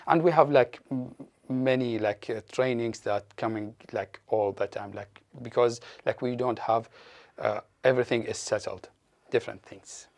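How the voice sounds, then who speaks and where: A man whose native language is Arabic, answering interview questions in a halting way with many fillers. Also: medium pitch, vocal fry, darkish tone. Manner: hesitant, many fillers and restarts. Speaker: staff member at a refugee support organization.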